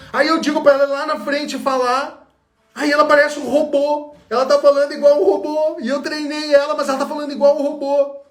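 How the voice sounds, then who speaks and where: Brazilian man, high voice, public speaking coach; roomy sound, soft music underneath. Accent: Brazilian Portuguese. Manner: animated storytelling, acting out quotes. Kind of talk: motivational online lesson.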